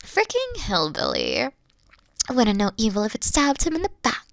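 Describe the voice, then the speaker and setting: A woman playing a dorky, boastful evil queen in a comedic, intimate roleplay monologue, theatrical and petulant but awkward and secretly soft. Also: on the high side, huge pitch swings, normal speed, dry recording, heavily acted. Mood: smug. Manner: theatrical boasting that slips into awkward, flustered stammering.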